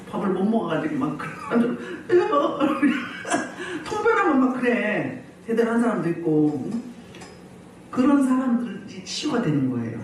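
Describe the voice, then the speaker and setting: A woman pastor preaching a healing service sermon, animated, often putting questions to the congregation and laughing as she goes. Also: fairly low pitch, a little hiss or hum. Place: church hall. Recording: very echoey hall, mic at a distance.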